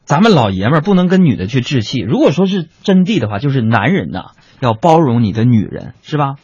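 A man telling a comic story, chatty and animated, talking to his listeners as friends. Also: medium pitch, brisk, husky, dry recording. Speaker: comedian. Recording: dry lo-fi recording.

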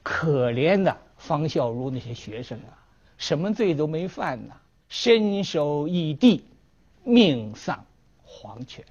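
Male history lecturer, storytelling style, very animated, slightly muffled recording. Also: a little high, takes it slowly, breathy edge. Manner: animated, acts out dialogue. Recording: dull lo-fi recording.

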